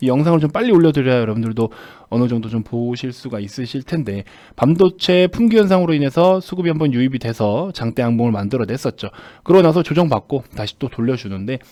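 Heard dry and close with no echo, a man with a dark, mellow tone talks at a fairly quick pace with lively intonation. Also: very clean recording, silent background. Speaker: stock market commentator. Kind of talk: market commentary and sales pitch.

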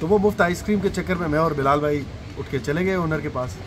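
The speaker keeps a moderate pace while music sounds in the background. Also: man. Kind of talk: casual vlog chat. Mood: relaxed, amused. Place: cafe. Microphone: phone near.

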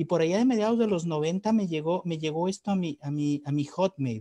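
In a Mexican accent, a man with a fairly high pitch and a dark, mellow tone talks at a moderate pace with ordinary pitch variation. The sound is dry with no echo, and the background is quiet. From Mexico. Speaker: academic researcher; webinar presenter. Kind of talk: webinar lecture. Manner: halting, repeats words. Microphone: video call.

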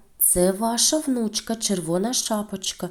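A man does a put-on character voice, high in pitch, at a moderate pace. The recording is very clean, with a silent background. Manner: feigned sweetness, deceptive.

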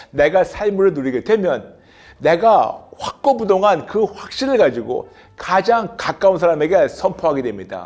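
A man talks with vocal fry. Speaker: pastor. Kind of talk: sermon-style talk. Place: studio. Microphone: lapel.

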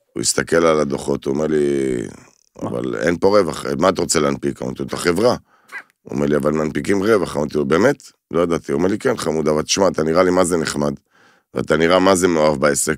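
Over a quiet background, a man with a very deep, low voice and vocal fry speaks very fast with ordinary pitch variation, in a dry sound with no echo. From Israel, Bat Yam and Ramat Aviv, childhood years in Ivory Coast; Israel. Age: 50s. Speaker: retail chain CEO; guest. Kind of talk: interview. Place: studio. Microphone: studio mic.

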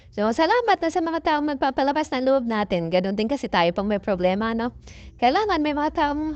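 Her pitch is high. This woman's voice swings very widely in pitch. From Quezon province, Philippines. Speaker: vlogger. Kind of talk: travel vlog narration.

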